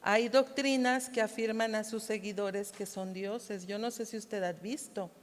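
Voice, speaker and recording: A woman's voice: medium pitch, steady tone, measured pace. A Mexican woman giving a church Bible lesson, explaining step by step and often asking the congregation to confirm they follow. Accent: Mexican Spanish. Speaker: Bible study teacher. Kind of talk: church teaching. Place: church hall. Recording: reverberant hall, sound system distortion.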